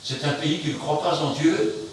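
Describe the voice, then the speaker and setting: A man preaching an emphatic sermon, swinging between loud outbursts and quiet asides. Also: a little high, fairly even intonation, normal speed. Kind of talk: fiery sermon. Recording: very echoey room, mic far off, faint noise.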